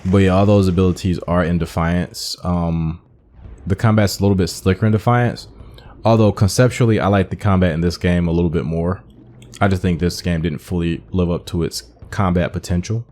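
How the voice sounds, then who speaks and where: A man's voice: sits low, steady tone, brisk, darkish tone. A man giving casual, musing, conversational commentary as he plays a video game. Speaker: gaming YouTuber.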